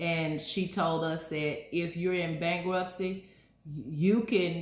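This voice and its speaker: A woman's fairly low voice at a very slow pace, with fairly even intonation and audible room echo. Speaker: food vlogger. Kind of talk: casual vlog chat. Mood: warm, earnest. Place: home room. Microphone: phone near.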